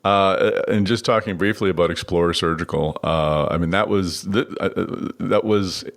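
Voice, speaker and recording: A very deep, gravelly man hosting a podcast. He talks loosely and conversationally, circling back and restarting his thoughts with lots of filler. Warm chatty interview tone. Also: moderate pace. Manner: rambling, restarts often with filler words. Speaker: podcast host.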